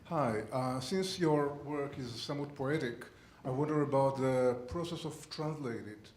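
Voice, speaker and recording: A man in the audience asking a question, speaking slowly and carefully. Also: mid-range voice, a little mellow, reverberant, slight background noise. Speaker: audience member.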